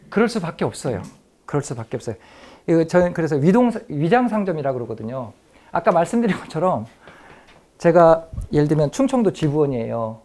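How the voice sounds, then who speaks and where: A man's voice: fairly high pitch, darkish tone. A middle-aged man giving a history lecture to teachers, repeating key phrases and asking the audience questions.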